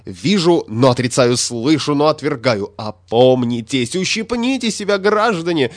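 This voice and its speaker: A man voicing a hysterical, puffed-up little male statistician who shouts and rants indignantly. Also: expressive, a little slow, dry recording, natural voice. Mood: ranting. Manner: shrill, shouting, indignant ranting.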